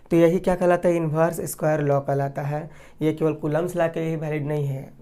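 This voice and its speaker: Guy teaching physics, mellow relaxed voice, keeps asking the class questions then answering, drags words out while writing. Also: fairly high pitch, gravelly. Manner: asks rhetorical questions and answers them himself. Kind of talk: classroom lecture.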